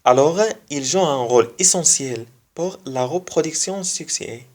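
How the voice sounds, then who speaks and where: A speaker whose first language is not French, giving a biology lesson online and repeating key phrases slowly for emphasis. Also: mid-range voice, a little mellow. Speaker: biology video teacher.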